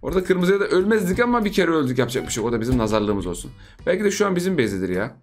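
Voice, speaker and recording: Excitable man doing playful game commentary. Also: on the high side, very fast, faint music behind. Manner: excitable, playful, teasing opponents; chants repeated words in a sing-song way. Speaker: gaming YouTuber. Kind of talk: live gameplay commentary.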